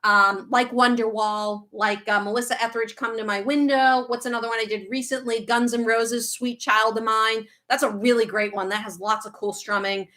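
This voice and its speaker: A woman's voice: on the high side, steady tone, pushed and bright. A woman in her thirties with a faint Boston accent, a guitar teacher chatting casually on a livestream and answering viewer questions. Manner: chatty, reads out viewer comments, quick asides.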